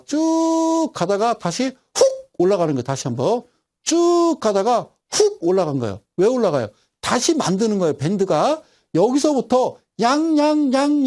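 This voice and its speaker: A man teaching stock charts in a recorded online lecture, his pitch swinging widely as he talks. He keeps repeating his points and asking viewers whether they follow. His voice has a mellow, darker tone. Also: slightly rough. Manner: repetitive teaching, constant check-ins with viewers.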